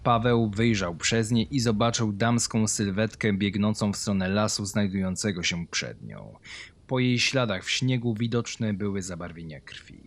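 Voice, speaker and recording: Male narrator, slightly low pitch, scripted horror storytelling, creepypasta reading. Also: normal speed.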